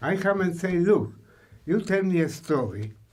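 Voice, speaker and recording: A man at a moderate pace, with audible room echo. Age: 80s+. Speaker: physicist. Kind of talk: scientific dialogue.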